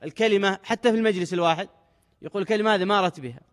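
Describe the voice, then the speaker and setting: A man delivers a religious lesson in a high, quick voice. He reads each quoted text with lifted emphasis, then explains it in everyday dialect. A long hall reverb trails behind every phrase. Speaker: religious teacher.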